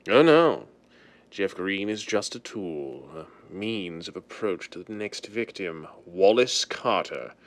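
A man playing a suave, self-assured gentleman crime-fighter in a 1930s-style radio drama, measured and ominous. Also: low-pitched, expressive, no room sound.

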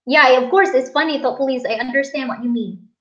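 A young Filipina English teacher hosts a casual live stream from a small room, chatting with viewers and reading their comments out loud. Her voice sits high and sounds fairly bright, her pace is brisk, and the audio is lo-fi.

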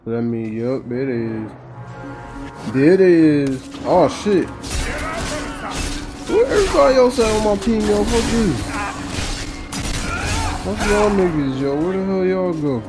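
A man's voice: sits high, animated, measured pace, pauses often. An American man giving casual, profane let's-play commentary in a blunt, slangy, reactive way. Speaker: gaming video host. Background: game music.

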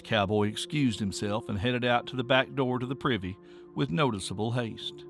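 A man narrating a scripted story in a measured, folksy way. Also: mid-range voice, creaky, a bit bright.

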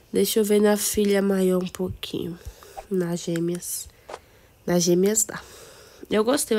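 A woman with a Brazilian accent and a cold, hoarse, chatting casually to viewers through a game walkthrough. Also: fairly high pitch. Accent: Brazilian Portuguese. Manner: chatty, addresses viewers as "amores". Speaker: gameplay video host.

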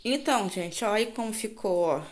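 A woman's voice: mid-range voice, expressive, moderate pace. A woman with a Brazilian Portuguese accent narrating a casual home vlog, chatting familiarly to viewers and often seeking their agreement. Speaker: home vlogger. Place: at home, in kitchen and yard. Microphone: handheld phone. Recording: noisy handheld home recording.

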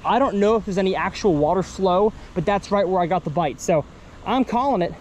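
A man's voice: high-pitched, brisk, a little mellow. A man, chatting casually through a fishing vlog by an outdoor pond. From Texas. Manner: upbeat, chatty, thinking aloud while fishing. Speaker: fishing vlogger. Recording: outdoor recording with faint ambient noise.

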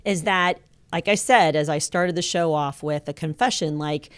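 A woman's voice: deep voice, moderate pace, smooth, no room sound. An American woman in her fifties chatting casually as co-host of a family radio show. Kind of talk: casual conversational radio talk. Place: small wood-panelled studio. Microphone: close studio mic on boom arm, with headset.

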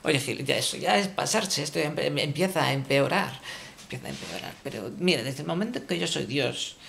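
A vain, touchy god, done by a man in a comedy sketch, who rambles and snaps insults. The voice is gravelly and a little high. He sounds put out by every question. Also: lively intonation, a little fast, a bit bright, slight background noise, heavily acted. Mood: irritated. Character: petulant, vain male god, easily annoyed.

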